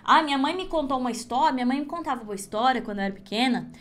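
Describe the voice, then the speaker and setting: A woman teaching a crochet class who tells stories in an animated, chatty way and laughs often. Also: high voice, very fast. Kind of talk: lively live class storytelling.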